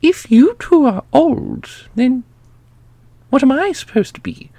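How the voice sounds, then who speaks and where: High-pitched, playful ancient custodian. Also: male voice, big pitch swings, slow pace, gravelly, dark tone, no echo, heavily acted. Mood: teasing. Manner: blunt, playful, elusive. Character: ancient irreverent custodian, high-voiced, teasing and evasive. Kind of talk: ASMR fantasy audio roleplay.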